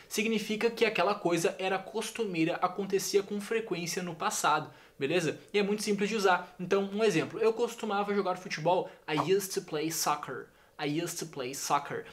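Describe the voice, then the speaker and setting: A man's voice: high-pitched, a bit bright. A young Brazilian man with a Brazilian Portuguese accent, chatting enthusiastically as he teaches in a casual video lesson and repeats his examples. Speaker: English teacher.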